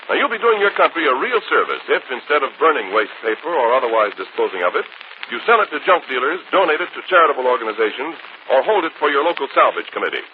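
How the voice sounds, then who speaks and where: A man's voice: medium pitch, very animated, quick pace. A man announcing for 1940s radio, hearty and persuasive. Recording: tinny old radio broadcast, faint hiss.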